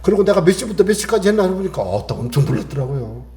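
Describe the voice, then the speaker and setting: A man's voice: high-pitched, big pitch swings, very fast, mellow, echoey room. A man preaching a sermon as a pastor, emphatic and repetitive, firing rhetorical questions at the congregation.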